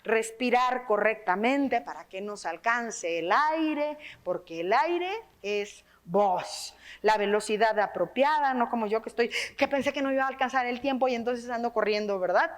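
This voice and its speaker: Lively Mexican woman leading a workshop. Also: fairly high pitch, moderate pace, few pauses. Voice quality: trained, well-projected voice. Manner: lively, tags phrases with questions to the audience. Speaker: workshop leader for teachers. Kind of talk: teaching workshop on reading aloud. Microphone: microphone.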